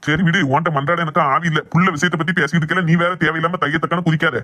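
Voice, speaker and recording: Casting: man as assertive Tirunelveli village dad for cartoon drama, middle-aged, stubborn, very quick, slightly high voice. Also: fairly even intonation, pushed and bright. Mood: irritated, defensive. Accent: Tirunelveli Tamil. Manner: assertive, dismissive of objections. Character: stubborn middle-aged village father, protective of his family. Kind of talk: amateur cartoon family drama.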